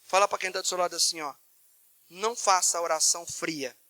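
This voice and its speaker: High, bright-voiced Brazilian pastor preaching. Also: male voice, fairly quick, dry recording. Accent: Brazilian Portuguese. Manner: animated preaching, acting out prayers in changing tones. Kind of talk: sermon. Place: church. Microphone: microphone.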